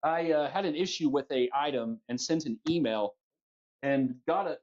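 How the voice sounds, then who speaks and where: A man's voice: on the high side, normal speed, darkish tone, dull audio. A man hosting a casual livestream while tinkering, with a jokey manner and frequent easy laughter. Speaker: livestream host. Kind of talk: casual chat while working on bikes. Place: basement room at home.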